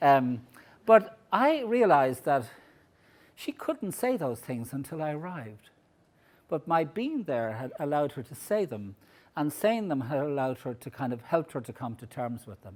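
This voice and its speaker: A man with a Dublin accent, fairly high-pitched, with very wide pitch swings and big swings in loudness. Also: moderate pace. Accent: Irish (Dublin). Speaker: psychologist. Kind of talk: lecture. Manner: halting.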